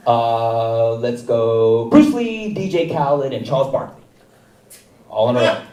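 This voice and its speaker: A man's voice: medium pitch, a little slow, warm tone. A middle-aged man doing rambling, self-deprecating stand-up on a theater stage. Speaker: student stand-up comic. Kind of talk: stand-up comedy. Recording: echoey theater, far mic.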